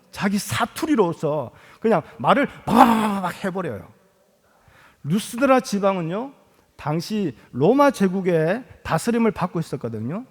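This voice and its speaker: A pastor with a Gyeongsang accent preaches in a high, lively voice that swings freely up and down. He tells his points as animated stories with touches of humor. His voice carries the long reverb of a large hall. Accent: Gyeongsang Korean. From Gyeongsang, South Korea. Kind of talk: sermon. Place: church sanctuary.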